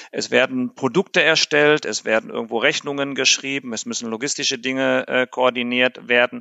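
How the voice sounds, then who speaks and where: At a moderate pace and with hardly any pauses, a man speaks in a medium pitch. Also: ordinary pitch variation. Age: 50s. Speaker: software company founder and CEO. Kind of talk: interview. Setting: studio. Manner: hesitant with many fillers.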